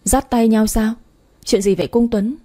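A woman voicing a blunt, condescending older sister who questions others briskly in a storybook reading. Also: on the high side, fairly even intonation, dark tone, lightly acted. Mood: surprised.

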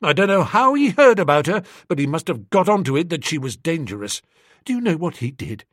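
A man voicing an agitated young man who rushes out indignant complaints. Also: a little high, big pitch swings, no echo, clean studio sound, pitched above the performer's own voice. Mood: bitter.

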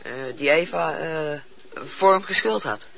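An actor playing a timid bedridden young man who reads haltingly, stumbling with hesitant fillers in a radio play. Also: a little high, creaky, pushed and bright, slight background noise, full character voice. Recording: dull lo-fi old radio recording.

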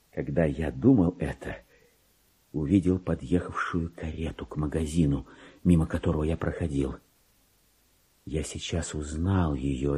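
A man's voice: a little high, dark tone, breathy edge, exaggerated voice. An actor voicing a petty, resentful, self-important male clerk in a radio play monologue, theatrical and grumbling, with mimicry of other people. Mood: hushed, awed. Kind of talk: dramatic monologue in a Russian literary radio play.

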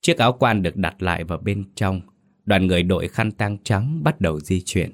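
A man narrating a scripted ghost story in a steady, even manner. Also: deep voice, a little fast.

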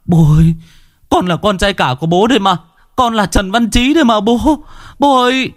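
A man's voice: high voice, normal speed, no echo, studio quality, voice pushed up, lightly acted. A male storyteller voicing a middle-aged son who pleads tearfully for his father. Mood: anguished. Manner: crying, tearful. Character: desperate grown son, anguished and pleading.

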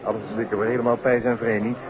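A man's voice: mid-range voice, level tone, racing, a crowd in the background, natural voice. Actor as breezy man-about-town, muffled old radio. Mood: chatty. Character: affable, evasive man-about-town at a nightclub. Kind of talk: 1950s Dutch radio play acting. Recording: muffled old radio recording, music behind.

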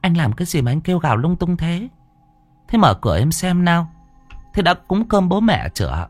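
A man voicing a middle-aged woman who scolds her brother in a raised falsetto. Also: sing-song, moderate pace, no echo, soft background music. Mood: scolding.

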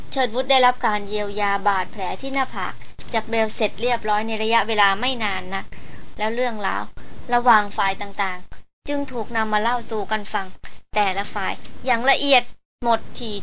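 A woman narrating a novel in a steady, even storytelling manner. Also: mid-range voice, a little hiss or hum, low-quality recording. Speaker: audiobook narrator.

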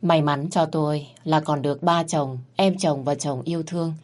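Low-voiced woman narrating calmly. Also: moderate pace. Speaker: storyteller. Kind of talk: first-person story narration. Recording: faint music underneath.

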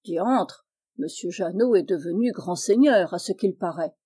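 A woman's voice: fairly low pitch, expressive, measured pace, warm tone, husky. A woman voicing a blunt older male farmer in a storybook reading, speaking frankly and plainly.

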